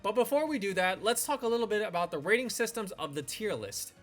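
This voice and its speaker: A man's voice: high-pitched, animated, fast talker, a bit bright. A man presenting semi-scripted review commentary as the host of a video channel. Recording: voice-over with music behind.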